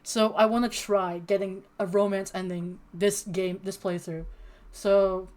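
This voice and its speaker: A woman livestreamer reading a dating sim aloud and chatting in an expressive, flustered, playfully dramatic way. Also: medium pitch, unhurried. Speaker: streamer playing a dating sim. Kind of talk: livestream chat and game read-aloud.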